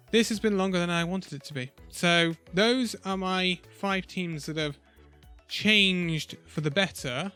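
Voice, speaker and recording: A man's voice: a little high, pushed and bright, smooth. Slightly ill man with opinions. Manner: opinionated, conversational, with pauses. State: unwell, losing his voice. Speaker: esports video host. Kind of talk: casual esports commentary vlog.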